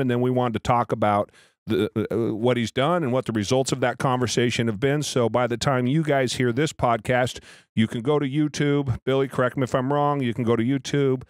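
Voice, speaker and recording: A man's voice: mid-range voice, no room sound. Man hosting a podcast, very dry sound. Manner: blunt, profane. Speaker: podcast host. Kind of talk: casual podcast interview. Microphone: close podcast microphone.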